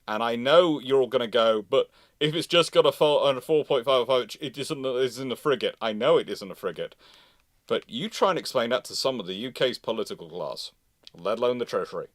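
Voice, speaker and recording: British male host, live Q&A explainer, halting then emphatic, mid pitch, dry sound. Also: animated, no room sound. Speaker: host answering audience questions. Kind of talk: live Q&A, explanatory commentary on naval matters.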